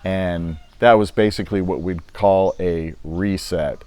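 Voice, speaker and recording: A man's voice: low voice, steady tone, measured pace, a little mellow, no room sound. An older man, recently retired, talking casually to camera in a rambling, easygoing way with many fillers. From United States. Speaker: vlogger.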